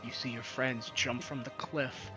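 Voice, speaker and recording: A man's voice: medium pitch, fairly even intonation, a little slow. A man narrating as game master of an online roleplay, describing events with dramatic, building intensity. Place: online voice chat. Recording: background music.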